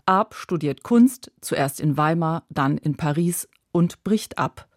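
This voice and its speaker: Female narrator, low register, dry studio read, clipped delivery. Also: lively intonation, takes it slowly, dry recording. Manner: crisp, clipped storytelling. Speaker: radio feature author and narrator. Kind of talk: scripted radio narration.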